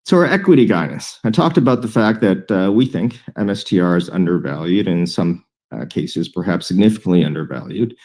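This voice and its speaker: A man presenting financial guidance as a company executive, in a measured, deliberate way with frequent hesitant pauses. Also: deep voice, animated, a little mellow. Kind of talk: earnings call presentation.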